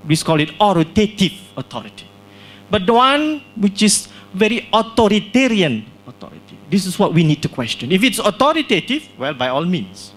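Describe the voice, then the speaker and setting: A man's voice: high voice, very animated, brisk, a bit bright. Singaporean man giving a discursive talk. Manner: discursive, frequent tag questions and restarts. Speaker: author presenting his book. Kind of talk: book launch talk. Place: small hall.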